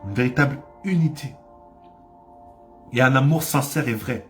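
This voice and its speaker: A male pastor delivers a fervent sermon in a middle-pitched voice, building from calm teaching to loud, urgent cries. He leans on repetition to drive points home. Faint music plays beneath his voice. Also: normal speed. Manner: impassioned preaching, rising to cries; repeats phrases for emphasis.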